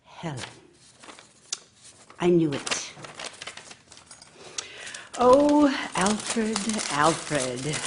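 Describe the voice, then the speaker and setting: High-pitched, scolding, bitter wife. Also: female voice, noisy background, heavily acted. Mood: hurt, quiet. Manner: scolding, sarcastic, theatrical. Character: bitter, nagging, scornful wife of an idle husband. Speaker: actor in a radio play. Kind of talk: radio drama monologue.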